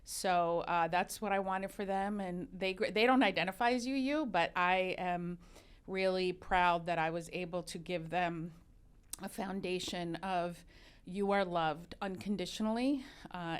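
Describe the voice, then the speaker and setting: A woman's voice: fairly low pitch, moderate pace, smooth. A woman in her fifties, a religious educator and consultant, telling candid stories in a casual interview, with many restarts; her first language is Arabic. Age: 50s. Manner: candid, animated storyteller with frequent restarts.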